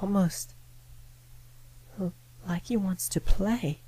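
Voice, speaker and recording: A woman narrating a first-person scary story in a dramatic, deliberate manner with suspenseful pauses. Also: mid-range voice, dark tone, husky, low-quality recording. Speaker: horror story reader. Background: background music.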